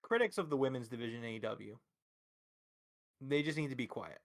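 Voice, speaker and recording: A man's voice: mid-range voice, lively intonation, brisk. A man hosting a podcast, talking casually and emphatically about wrestling with strong opinions and frequent swearing. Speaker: podcast host.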